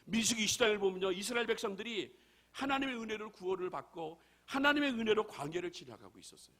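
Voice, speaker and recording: A man's voice: high voice, expressive, fast, sharp tone. A male pastor preaching a sermon, emphatic and full of rhetorical questions to the congregation.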